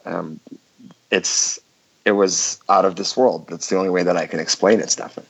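A man's voice: sits low, fairly even intonation, moderate pace, creaky, husky. A male caller on a call-in show, recounting a story with many restarts and fillers. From Michigan, USA. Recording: dull phone-line call.

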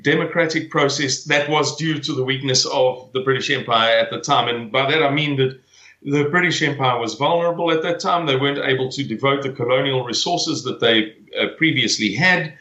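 Guest, man in his forties from South Africa, bright forceful tone, halting and repetitive delivery, roomy sound. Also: medium pitch, muffled recording. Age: 40s. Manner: hesitant, repeats words while searching for them. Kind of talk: conversational interview.

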